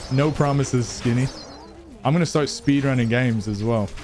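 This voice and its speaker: Noticeable background noise sits behind a man with an American accent. He keeps a moderate pace and fairly even intonation. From US, Oklahoma. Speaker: gaming streamer. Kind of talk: live stream chat. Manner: hesitant, many ums and repeats.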